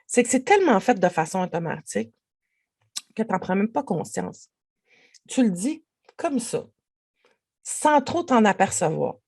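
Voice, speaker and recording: A woman's voice: medium pitch, breathy edge. A woman with a Québécois French accent, a life coach giving a podcast monologue and speaking straight to the listener. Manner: animated, speaks directly to the listener.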